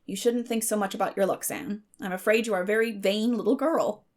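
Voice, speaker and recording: A woman's voice: medium pitch, fairly even intonation, brisk, natural voice. A woman voicing a stern, no-nonsense older guardian, terse and moralizing, in a dramatic audiobook reading. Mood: severe.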